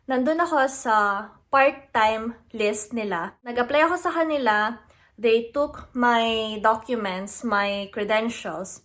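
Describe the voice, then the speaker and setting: A young adult woman from the Philippines, vlogging casually and retelling an upsetting phone call with animated, indignant asides. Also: on the high side. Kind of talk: casual storytelling vlog.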